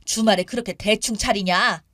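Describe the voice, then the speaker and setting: A woman voicing a nagging older mother-in-law who scolds sharply and shouts demands. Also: mid-range voice, moderate pace, no echo, studio quality, lightly acted. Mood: scolding.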